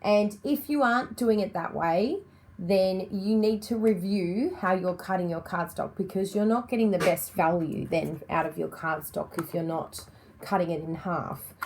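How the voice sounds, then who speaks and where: A middle-aged Australian woman with a slightly croaky voice, chatting upbeat and friendly through a live card-making tutorial and greeting viewers by name. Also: lowish voice, moderate pace, darkish tone, slight background noise. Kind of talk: live-stream tutorial chat.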